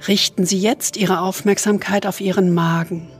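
A woman leads a guided meditation in a soft, soothing spa manner, leaving long pauses and trailing into breathiness. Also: medium pitch, fairly even intonation, faint music behind. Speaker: host guiding a relaxation exercise.

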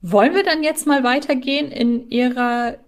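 A woman's voice: sits high, moderate pace. A woman co-hosting a podcast in casual discussion, reflective and thinking aloud. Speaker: podcast co-host. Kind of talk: casual discussion of an audio drama series.

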